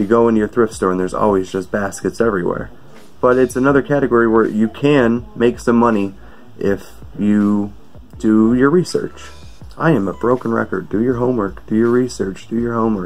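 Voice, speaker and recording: With faint music in the background, a man keeps up a fairly quick pace. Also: ordinary pitch variation. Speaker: reseller vlogger. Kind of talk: casual vlog chat. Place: kitchen.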